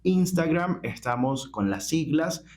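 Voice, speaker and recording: A man's voice: on the high side, animated, takes it slowly, a little mellow. A man with a Venezuelan accent hosting a church podcast, welcoming his guest and asking long, winding questions. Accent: Venezuelan Spanish. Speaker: podcast host.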